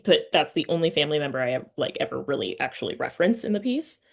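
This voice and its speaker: A woman hosting a podcast, talking in an informal, halting, slangy way through chat and announcements. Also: low-pitched, very animated, gravelly. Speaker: podcast host. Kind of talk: casual chatty interview and announcements.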